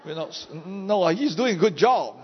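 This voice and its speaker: A man with a Southeast Asian accent preaching a sermon in short, emphatic phrases, pausing for an interpreter and repeating words for weight. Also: high-pitched, lively intonation. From Southeast Asia. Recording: muffled, long hall reverb.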